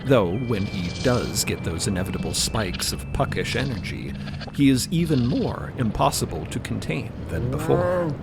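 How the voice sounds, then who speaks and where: Male narrator, mid-pitched, highly varied intonation, audio drama storytelling. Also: big pitch swings, normal speed, vocal fry, noisy background.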